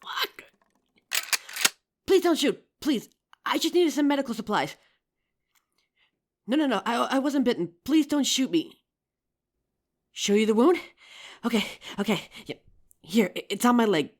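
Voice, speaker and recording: A woman playing an injured young survivor of a zombie apocalypse in a roleplay audio drama, with halting, emotive delivery. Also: on the high side, expressive. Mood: panicked pleading.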